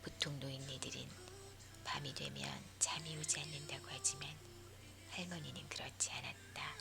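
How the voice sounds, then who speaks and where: A woman leaning in to whisper a story for sleep in a hushed, breathy ASMR narration. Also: rumbling low, fairly even intonation, moderate pace. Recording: music behind the voice. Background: music.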